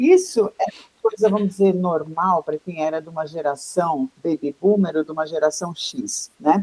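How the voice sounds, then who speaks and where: With hardly any pauses, a woman with a fairly low pitch and a dark, mellow tone speaks at a moderate pace with ordinary pitch variation in a dry, close sound with no echo. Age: 60s. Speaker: psychologist, former headhunter, ageism specialist. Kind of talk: videocast interview.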